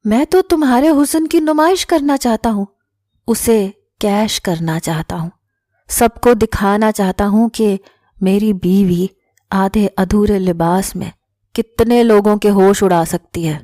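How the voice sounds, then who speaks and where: A controlling young husband speaks in a harsh, commanding way in this storybook reading, voiced by a woman. The tone is mellow and dark. The recording is dry and close. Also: medium pitch, no echo, lightly acted. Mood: boastful.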